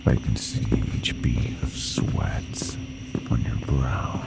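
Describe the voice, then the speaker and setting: A man voicing a sadistic, playful monster hunting humans in a horror ASMR roleplay, taunting and savoring in a gravelly, breathy, often whispered voice. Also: very deep voice, flat delivery, over loud music, heavily acted. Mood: taunting, gleeful. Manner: slow, taunting, menacing, savoring.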